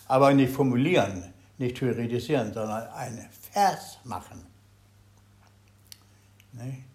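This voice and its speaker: This older man's Zen meditation talk to a group comes in a medium pitch. He gropes for words and speaks haltingly, his loudness shifting between strong and very faint.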